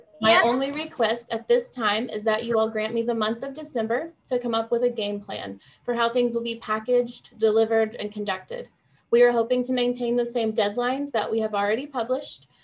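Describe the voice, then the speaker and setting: A woman at a fairly quick pace, with fairly even intonation. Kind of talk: formal announcement. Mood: serious, somewhat regretful. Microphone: video call.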